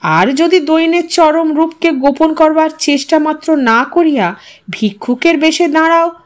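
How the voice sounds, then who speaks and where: Woman, audiobook narrator, short story reading, high voice, measured.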